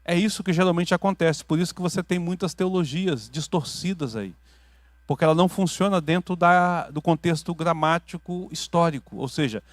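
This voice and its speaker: Brazilian pastor guy teaching a sermon, kinda high voice, dry close mic, loud peaks then soft asides. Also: no echo. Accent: Brazilian Portuguese. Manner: earnest, swings from loud emphatic build-ups to quiet asides; checks in with the audience often. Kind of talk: teaching sermon with questions to the congregation. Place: church hall.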